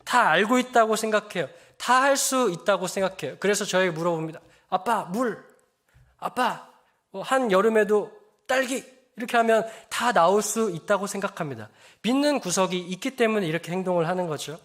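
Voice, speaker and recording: A man in his thirties, a guest pastor preaching a sermon in a church, telling homely stories in a gentle, unhurried way. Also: sits high, expressive. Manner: slow solemn scripture reading, then gentle storytelling.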